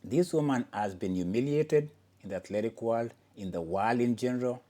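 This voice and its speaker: A man's voice: mid-range voice, normal speed, dark tone. A man hosting a podcast, delivering an impassioned, emphatic monologue and often restarting his sentences. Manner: emphatic, questioning, with frequent restarts and fillers. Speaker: podcast host.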